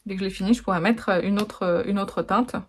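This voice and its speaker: A woman's voice: mid-range voice, fairly even intonation, fairly quick, noisy background. A woman with a French accent chatting casually in a home beauty vlog, laughing often and full of fillers. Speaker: beauty vlogger. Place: home, indoors.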